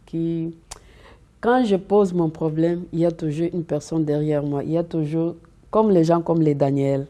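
A woman's voice: fairly low pitch, warm tone. A woman from Congo, telling her story in a community TV interview and often repeating and restarting words. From Democratic Republic of the Congo. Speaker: interview guest. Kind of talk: conversational interview. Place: community TV studio.

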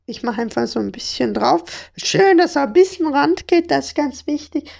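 Podcast host: young woman, playful and jokey, high voice with heavy vocal fry. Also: lively intonation, normal speed, darkish tone. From Hamburg. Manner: playful, joking, slang-heavy. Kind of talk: casual chat.

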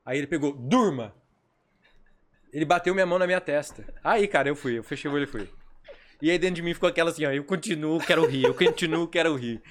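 A man with a slightly raised voice rattles through stories at a brisk clip. He is a hypnotherapist visiting a podcast, and he performs each bit of dialogue as he recounts it. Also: on the high side, a little hiss or hum. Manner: animated storyteller, acts out dialogue. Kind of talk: casual podcast chat.

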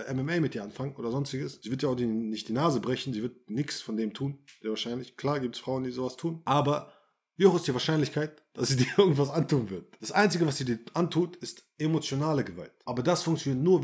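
A man coaching male listeners in a podcast monologue, blunt and crude, talking straight to the listener and repeating phrases for emphasis. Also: medium pitch. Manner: brash, blunt and crude, addresses listener directly. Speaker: dating and self-confidence coach. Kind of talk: direct-to-camera podcast monologue.

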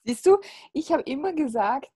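A woman's voice: sits high, expressive, normal speed. German woman hosting a podcast. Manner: friendly, warm reactions, laughs along. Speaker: podcast host. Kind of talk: casual podcast interview.

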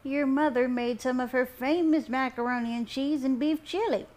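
A piping old grandmother, voiced by a woman narrator, speaks up high and chimes in. She is a meddling elder in an audiobook family drama. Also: fairly even intonation, moderate pace, darkish tone, lightly acted. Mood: chirpy. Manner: piping, chiming. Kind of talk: audiobook character reading.

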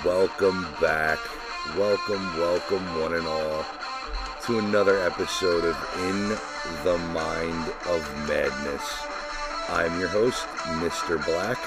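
A man's voice: low-pitched, steady tone, takes it slowly, loud music behind the voice. A man hosting a podcast, announcing the show in a theatrical ringmaster style. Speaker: podcast host. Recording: noisy recording.

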